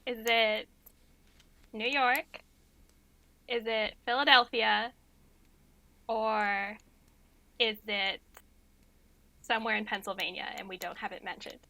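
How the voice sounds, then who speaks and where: A woman's voice: a little high, fairly even intonation, slow, vocal fry, pauses often, sharp tone. A woman hosting a casual trivia quiz, reading out questions and multiple-choice options in a conversational way.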